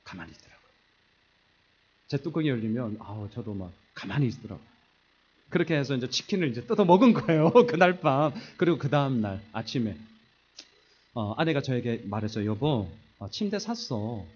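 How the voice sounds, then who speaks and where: A middle-aged man preaching a sermon, telling a self-mocking story with lively humor and acting out the voices in it. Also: mid-range voice, brisk, long pauses, dull audio, a little hiss or hum. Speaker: pastor. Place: church sanctuary.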